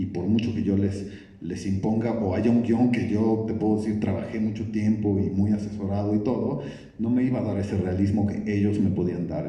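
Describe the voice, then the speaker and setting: A man's voice: lowish voice, warm tone. A man, a film director, answering at a press conference, thinking aloud with many restarts. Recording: echoey room, from a distance.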